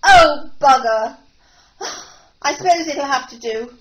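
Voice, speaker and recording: A woman's voice: high voice, takes it slowly. A woman playing a put-upon young fairy-tale heroine in a comic pantomime. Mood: aggrieved. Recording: faintly noisy remote recording.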